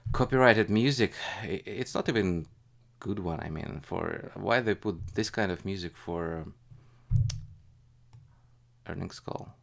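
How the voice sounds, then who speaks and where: A man hosting a casual live stream as a retail investor, thinking aloud in a halting, hesitant way. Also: deep voice, creaky. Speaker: livestream host, retail investor.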